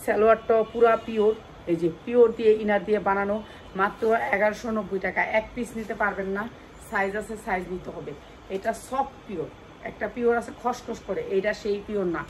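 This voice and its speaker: A woman with a Bangladeshi accent doing an insistent hard-sell live sales pitch for wholesale clothing, repeating key phrases and prices over and over. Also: brisk, a little hiss or hum, rough recording. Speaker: clothing wholesale seller presenting stock.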